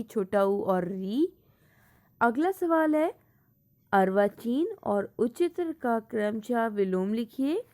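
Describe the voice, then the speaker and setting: Slow-paced woman teaching a lesson. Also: fairly high pitch, a little mellow. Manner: reads out questions then explains answers; mixes English words into Hindi. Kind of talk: exam-prep lesson.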